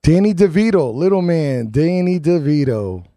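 A man's voice: fairly high pitch, lively intonation, normal speed, warm tone, no room sound. A man hosting a morning show, chatting casually and rambling through restarts as he tells stories. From Puerto Rico. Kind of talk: casual radio chat.

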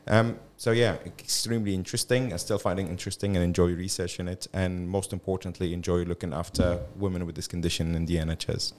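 A man's voice: deep voice, steady tone, quick pace, hardly any pauses, a little mellow, slight background noise. A middle-aged man from Belgium and Syria, a gynecologist guest on a podcast, speaking with many restarts and fillers. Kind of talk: podcast interview.

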